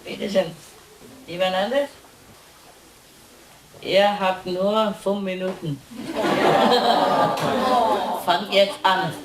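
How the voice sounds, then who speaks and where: A woman's voice: medium pitch, extremely slow, long pauses, background noise. A woman who is not a native German speaker, with a foreign accent, talking casually to a group in short, simple, often repeated phrases as a teacher. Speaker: spiritual teacher leading a gathering. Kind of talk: casual informal talk to a group. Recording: echoey, distant mic, crowd around.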